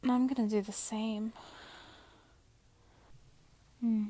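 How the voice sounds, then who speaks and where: Very slow, teasing, whispering woman. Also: on the high side, flat delivery. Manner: teasing, soft-spoken with frequent whispers. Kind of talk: intimate audio roleplay.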